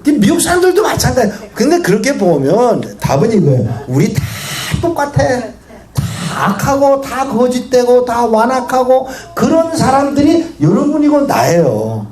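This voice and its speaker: A male guest pastor with a very high voice preaches to a congregation at a moderate pace, hardly pausing at all. Animated and story-driven, he asks the audience questions, and the echoey hall carries faint noise.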